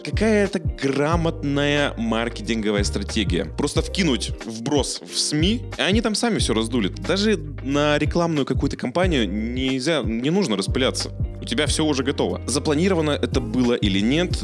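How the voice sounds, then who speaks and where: A man hosting a podcast, talking casually and jokily about films, sometimes stumbling over his words. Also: mid-range voice. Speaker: podcast host. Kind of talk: casual podcast chat, film review. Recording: music playing under the voice. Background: background music.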